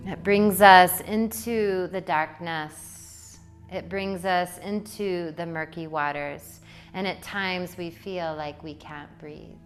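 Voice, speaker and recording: A woman leading a guided meditation in a poetic, soothing way, with deliberate phrasing and long pauses. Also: lowish voice, steady tone. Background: music.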